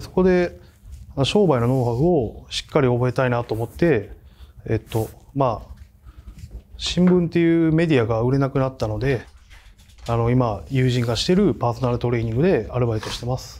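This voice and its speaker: Dark and mellow in tone, a man speaks at a moderate pace with lively intonation and long, frequent pauses. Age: 30s. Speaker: business pitch applicant. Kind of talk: business pitch interview. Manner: halting, many fillers. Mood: earnest, slightly nervous. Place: studio. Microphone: lapel.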